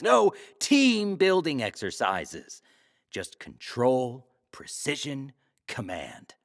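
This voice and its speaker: An actor playing a glib, teasing talk show host in a sci-fi audio drama, wry, theatrical and probing. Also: male voice, medium pitch, creaky, fairly bright tone, heavily acted.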